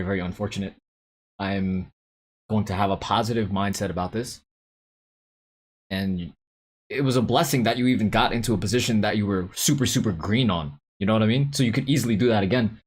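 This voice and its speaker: A young man hosting a casual livestream about day trading, laid-back and quick to laugh, reading out chat messages. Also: fairly low pitch, breathy edge.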